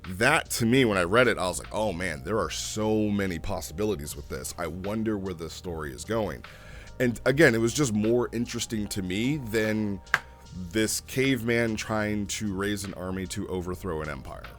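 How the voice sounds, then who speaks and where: Very low-voiced man reviewing, music behind. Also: normal speed. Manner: rambling, thinking aloud. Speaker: host reviewing roleplay logs. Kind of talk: casual unscripted review commentary.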